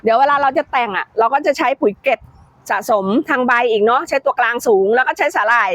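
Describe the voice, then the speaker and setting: A woman farm owner talks fast in a high, bright register. She explains with brisk, practical confidence, standing in her grape greenhouse. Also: dry recording. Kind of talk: explaining in an interview.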